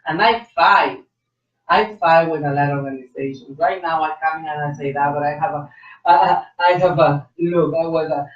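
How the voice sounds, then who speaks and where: A trans woman guest on a call-in radio discussion, speaking passionately in halting bursts with many repeated words. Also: low voice. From South Florida. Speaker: guest, agency leader. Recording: echoey, distant, dull sound.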